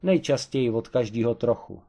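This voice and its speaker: Guy putting on a loud bossy strongwoman, proud and pushy. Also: expressive, vocal fry. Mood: haughty. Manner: booming, haughty, matter-of-fact about cruelty. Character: proud brawny former strongwoman wrestler, domineering.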